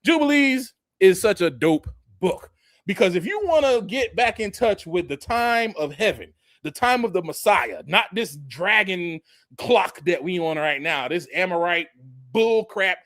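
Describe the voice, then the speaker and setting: A man's voice: high voice, lively intonation, unhurried, fairly bright tone, dry recording, clean studio sound. A man in his forties teaching from scripture in a casual, conversational preaching style, restarting phrases and adding emphatic, mocking asides. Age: 40s. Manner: conversational preaching with frequent restarts and "you know". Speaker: Bible teacher.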